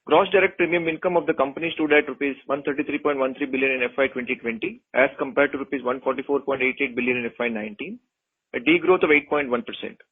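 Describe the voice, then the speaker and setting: Fast-talking Indian finance man on the phone. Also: mid-range voice, husky. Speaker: finance executive presenting results. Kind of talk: formal scripted financial report. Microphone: telephone conference call. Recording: thin tinny conference phone line.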